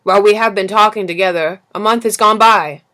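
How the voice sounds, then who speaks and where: A woman's voice: mid-range voice, a little fast, pushed and bright, pitched above the performer's own voice, natural voice. A woman voicing a weary, complaining lamplighter in a storybook, bound by orders, with a clipped, emphatic manner. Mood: exasperated. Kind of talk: storybook character reading.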